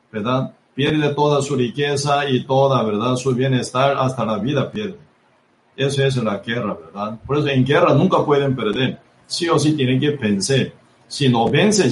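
Male preacher, sermon delivery, halting repetitive phrasing, constant tag questions, roomy echo, faint background hum. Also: medium pitch. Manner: constant tag question "¿verdad?" dropping soft after each phrase. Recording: echoey room with faint ambient noise.

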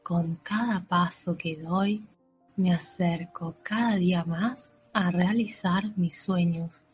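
A woman narrating a guided meditation in a soothing, unhurried way, with gentle pauses. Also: lowish voice, steady tone. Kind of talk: slow guided meditation with affirmations. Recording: dull lo-fi audio with soft music. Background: soft background music.

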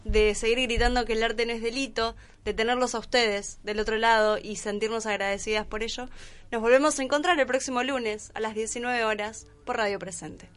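A woman's voice: a little high, steady tone, brisk, a bit bright. A woman presenting a radio show in an informal way. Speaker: radio host.

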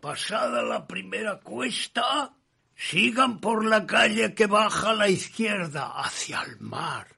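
Raspy ominous villager, heavy creak, sharp bright edge, halting delivery, radio play. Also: male voice, sits high, animated, exaggerated voice. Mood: slow, ominous. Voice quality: gravelly, raspy. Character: slow, gravelly village local man giving directions. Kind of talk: radio drama acting.

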